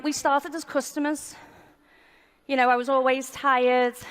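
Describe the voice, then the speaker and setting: A woman's voice: sits high, clear, resonant tone. A woman speaking as a guest at a business event, telling her personal story in a chatty, informal way with frequent ums, recorded in a large hall. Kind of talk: personal story told on stage. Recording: long reverb of a large hall.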